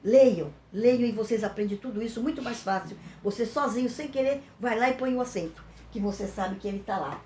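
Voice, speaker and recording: A woman teacher with a São Paulo Brazilian accent explains a lesson for pupils slowly and patiently, repeating key words and checking in with her listeners. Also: a little high, a little mellow, roomy sound, a little hiss or hum. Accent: Brazilian Portuguese, São Paulo.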